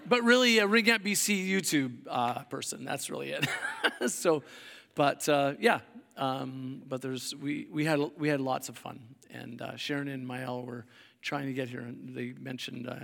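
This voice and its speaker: A middle-aged man from Canada, a pastor with a hoarse voice, preaching a sermon in a casual, rambling way with many fillers and restarts. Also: mid-range voice, a bit bright. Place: church hall. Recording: long hall reverb.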